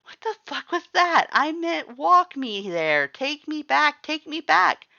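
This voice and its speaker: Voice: very animated, takes it slowly, vocal fry, bright, forceful tone, no room sound, highs cut off, full character voice. A narrator playing an awkward young student, the exasperated protagonist of an audiobook story. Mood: shocked, indignant. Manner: hesitant, polite, turning squeaky when upset.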